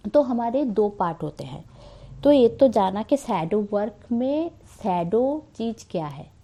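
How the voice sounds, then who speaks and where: A woman's voice: fairly high pitch, very animated, unhurried, mellow. A woman hosting her own spiritual channel, giving a casual talk to the camera and asking rhetorical questions. She is a little unwell. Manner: conversational, asks rhetorical questions. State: slightly unwell, coughing.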